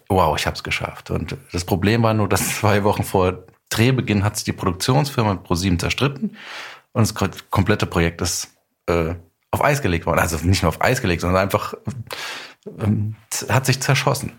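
Low-voiced middle-aged man, husky edge. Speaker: guest, audio drama writer and director. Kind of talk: casual interview storytelling.

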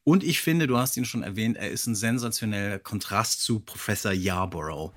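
A man's voice: lowish voice, a little fast, slight background noise. A middle-aged man co-hosting a podcast, casually discussing and reviewing radio plays. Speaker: podcast co-host.

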